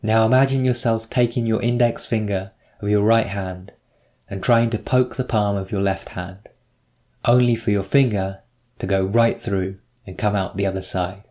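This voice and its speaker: Leading a scripted meditation, this man gives calm, instructive cues with pauses in between. His voice sits on the low side, a little mellow, with mostly even intonation.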